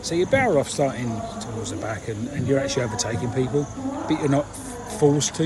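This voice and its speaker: Against noticeable background noise, a man at medium pitch talks at a very fast pace with ordinary pitch variation. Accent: English. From England. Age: 60s. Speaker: travel vlogger and runner. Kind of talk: vlog narration while running a marathon. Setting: outdoors during a marathon. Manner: casual, halting.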